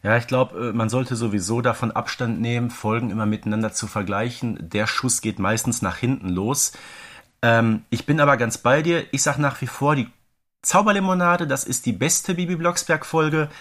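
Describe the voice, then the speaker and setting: A man's voice: medium pitch, moderate pace, a bit bright. Man in his thirties co-hosting a podcast. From Germany. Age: 30s. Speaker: podcast co-host. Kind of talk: casual podcast discussion.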